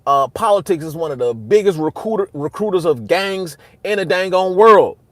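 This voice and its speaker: A young man hosting a casual livestream, talking back to his chat in a heated, repetitive way that gets loud and high when he is worked up. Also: expressive, normal speed, no room sound. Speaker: host.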